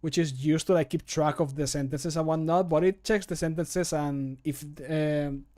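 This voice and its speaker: A man's voice: a little high, fairly even intonation, moderate pace, a little mellow. A man in his thirties chatting casually as a streamer while he works. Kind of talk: casual chat while recording voice lines. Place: small home room.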